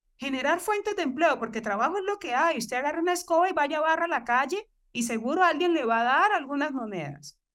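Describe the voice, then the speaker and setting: A woman rattles along very fast in a high voice with lively intonation and hardly any pauses. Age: 40s. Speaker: model and activist. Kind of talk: interview conversation.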